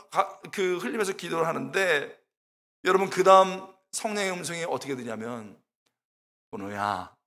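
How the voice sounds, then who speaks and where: A middle-aged male preacher in a church sanctuary, his slightly high voice carried by long reverb. He tells his testimony with feeling, calling out loudly one moment and sinking to slow, quiet words the next. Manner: emotional storytelling, voice swinging from loud to hushed. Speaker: guest preacher at a revival service. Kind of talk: sermon.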